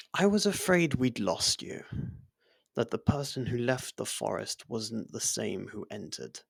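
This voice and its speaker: A performer voicing a devoted, worried royal servant who speaks formally and haltingly in an ASMR fantasy roleplay. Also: mid-range voice, gravelly, no room sound, studio quality, full character voice. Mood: worried, earnest. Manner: earnest, formal, deferential, halting. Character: devoted royal servant, worried, gently scolding close friend.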